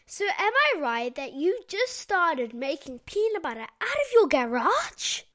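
A woman's voice: very high-pitched, very animated, unhurried, a bit bright. A woman with a New Zealand accent hosting an interview, reading an earnest scripted intro and asking questions. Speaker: podcast host, interviewer.

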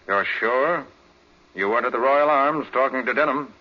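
An American actor playing an authoritative, blunt private detective in a 1940s radio drama, with clipped, businesslike questioning. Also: male voice, mid-range voice, moderate pace, natural voice. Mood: probing. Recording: muffled vintage 1940s radio recording.

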